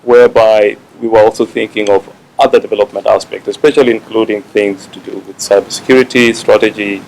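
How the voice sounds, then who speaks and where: A man from a regional telecom body giving a formal speech, halting with fillers. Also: on the low side, steady tone, darkish tone, slight background noise, rough recording. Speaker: visiting official from a regional telecom organisation.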